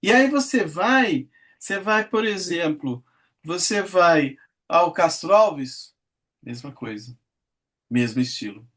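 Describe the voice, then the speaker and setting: A man's voice: sits high, lively intonation, slow, fairly bright tone. A man giving a talk on poetry, reading poems aloud, counting syllables and asking his audience questions. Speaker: lecturer. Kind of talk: lecture on poetry.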